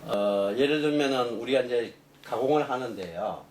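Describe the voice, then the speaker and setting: A middle-aged professor talks through his answers in a loose, rambling way, stopping and restarting often. His voice sits at an ordinary pitch for a man. The room is echoey, with a faint hiss underneath. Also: lively intonation, normal speed, darkish tone. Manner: rambling explanations with many fillers and restarts. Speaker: engineering professor. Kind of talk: interview answers.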